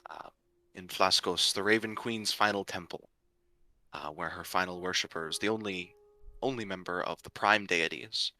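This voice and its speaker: A man from the United States serving as dungeon master, narrating a tabletop game livestream in a halting way with many fillers and restarts. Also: low voice, bright, forceful tone, poor audio. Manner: halting, full of ums and uhs and restarts.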